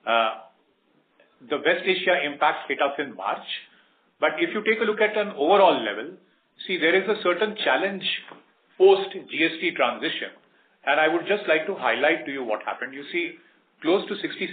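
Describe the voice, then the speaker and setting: A man with an Indian accent, a company executive giving measured, explanatory answers on an earnings call. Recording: roomy, muffled low-bandwidth conference line.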